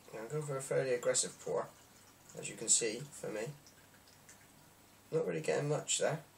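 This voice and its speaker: A man speaks at a fairly quick pace but with long, frequent pauses, and his loudness swings widely. Noticeable background noise runs underneath. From Cornwall, England. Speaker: beer reviewer. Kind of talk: casual video review. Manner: chatty, hesitant with fillers.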